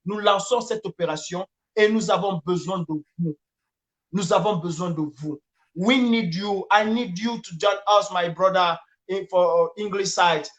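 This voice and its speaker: A man's voice: high voice, measured pace, a bit bright. A man with a Francophone Cameroonian accent making an impassioned political appeal, emphatic and repetitive, sometimes hesitating as he searches for words. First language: French. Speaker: activist and campaigner.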